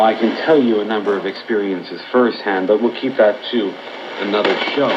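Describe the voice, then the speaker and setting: Male radio host, scripted introduction, muffled sound, clear static and noise from shortwave reception. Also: mid-range voice.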